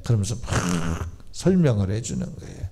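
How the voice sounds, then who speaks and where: A man's voice: on the low side, very animated, normal speed, warm tone. A Korean pastor preaching an emphatic sermon in a church, often switching to blunt informal talk to address the congregation. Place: church sanctuary.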